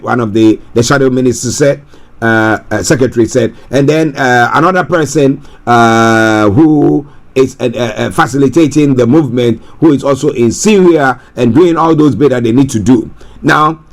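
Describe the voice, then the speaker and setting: A man from Ghana, giving talk radio commentary in a rambling way, restarting and repeating himself. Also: medium pitch. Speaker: radio presenter.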